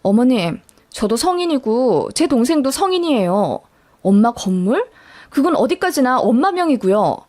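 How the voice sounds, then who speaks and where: A woman voicing her own younger self as an indignant young wife, sharp and raised above her narrating voice. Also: high voice, sing-song, normal speed. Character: indignant young married woman confronting her mother-in-law.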